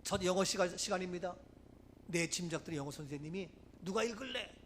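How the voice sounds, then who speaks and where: A middle-aged pastor from Gangwon Province gives an animated sermon, moving from hushed asides to loud preaching. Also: male voice, high-pitched, fast, a little hiss or hum. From Gangwon Province, Korea. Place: church sanctuary.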